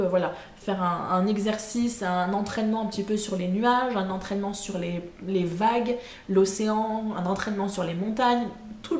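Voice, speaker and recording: In a casual monthly chat filmed at home, a female vlogger with a mid-range, darkish voice speaks hesitantly, full of fillers and self-corrections. The room is echoey, with a faint hum in the background.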